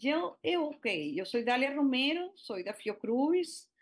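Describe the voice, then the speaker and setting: A woman's voice: high voice, sing-song, slow pace, breathy edge. Woman with a Spanish accent on a video call. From Venezuela. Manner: hesitant, many fillers and restarts. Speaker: researcher presenting by video call. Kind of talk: public hearing presentation.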